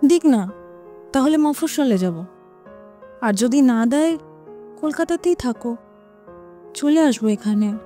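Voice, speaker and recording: A woman's voice: sits high, expressive, takes it slowly, pauses often, warm tone. An actress playing an impatient, determined woman in an audio drama, pressing her lover in an insistent, dismissive way. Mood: breezily determined. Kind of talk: Bengali audio drama dialogue. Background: dramatic music.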